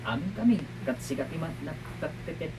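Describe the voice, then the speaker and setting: A woman delivering quick, pleading lines in an Ilocano audio drama. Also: low-pitched, lively intonation, background noise.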